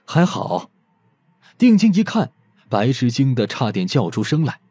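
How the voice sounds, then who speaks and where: Mellow male storyteller with animated pitch. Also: unhurried, slightly rough, dry recording. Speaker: audiobook narrator. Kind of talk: scripted audiobook narration of a mystery novel.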